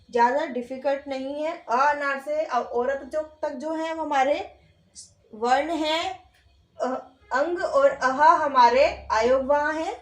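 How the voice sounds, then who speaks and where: Woman, teacher, high voice, grammar lesson, asks and answers own questions, patient repetition, echoey room. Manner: asks questions and answers them herself, repeats points patiently. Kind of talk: online Hindi grammar lesson.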